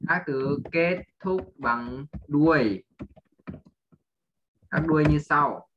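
A male teacher running an English lesson, speaking slowly and patiently as he spells out letters and keeps checking that his pupil follows. The audio is muffled and lo-fi, with a faint hiss behind him. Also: a little high. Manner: patient drilling, often checking understanding with short questions. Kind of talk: online English lesson for a child.

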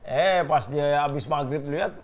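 An older man, a former teacher, telling old school stories in a relaxed, chuckling way in a casual chat. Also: a little high, normal speed. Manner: relaxed storytelling, chuckling often.

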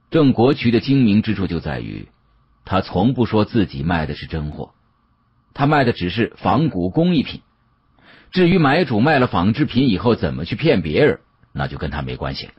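A man with a husky voice narrating an audiobook story in a dramatic storytelling style. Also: low-pitched, dull audio.

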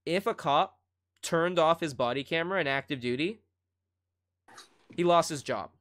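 A man's voice: fairly high pitch, moderate pace, a bit bright. A young man hosting a debate over a video call from a small room, blunt and pressing for precise wording. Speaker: host. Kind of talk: heated casual debate. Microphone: webcam on a video call.

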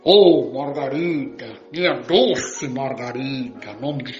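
A man's voice: medium pitch, takes it slowly, lightly acted. Older guy doing a flowery brazilian old ladies man in a radio soap, dull echoey recording, music behind. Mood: wistful, gallant. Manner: flowery, theatrical. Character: sentimental old ladies' man sailing away to sea. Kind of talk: amateur radio soap acting.

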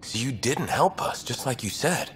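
A man's voice: medium pitch, expressive, moderate pace, slight background noise, lightly acted. A man playing a weary, grateful settler and former smuggler in a video game, speaking in an earnest, subdued way. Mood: earnest, resigned. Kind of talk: video game cutscene acting.

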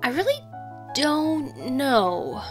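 A woman's voice: high voice, sing-song, extremely slow, music in the background, full character voice. An actress playing a supportive, chatty young woman, a college friend, in a casual audio drama style. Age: young adult.

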